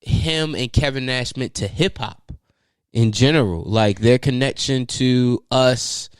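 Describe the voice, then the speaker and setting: A young man with a Baltimore accent co-hosting a podcast, talking casually in relaxed slang with lots of fillers. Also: medium pitch, takes it slowly, smooth, no room sound, studio quality. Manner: laid-back, filler-heavy slang talk. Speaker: podcast co-host. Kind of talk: casual chat.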